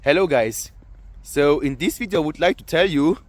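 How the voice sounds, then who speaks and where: A young man from Luxembourg with a Luxembourgish accent, chatting casually to camera, often repeating himself and filling pauses with "I mean" and "yeah". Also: a little high, animated. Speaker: language vlogger. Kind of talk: casual vlog talk to camera.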